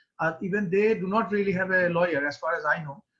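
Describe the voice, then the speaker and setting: A man with a Bengali accent speaks in a raised, projected voice at a fairly quick pace. His tone is bright and sharp, high in pitch, with ordinary pitch variation. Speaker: sports lawyer. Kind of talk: panel discussion. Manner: halting.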